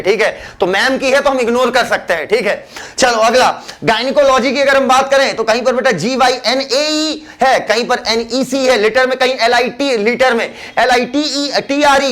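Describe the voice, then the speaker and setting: A man with an extremely high-pitched, fairly bright voice teaches a biology class, chatting and teasing his students and calling them "beta" during the lecture.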